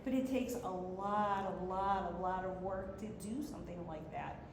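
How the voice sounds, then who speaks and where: A woman's voice: lowish voice, moderate pace. A woman guest on a live show, talking about her rescue group in a rambling, hesitant way. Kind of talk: casual interview chat. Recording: echoey room with background noise.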